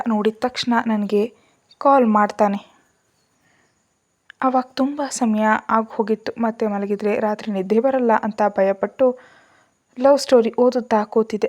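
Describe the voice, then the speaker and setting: A woman narrating a first-person romance story aloud, with a lively, expressive reading. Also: medium pitch.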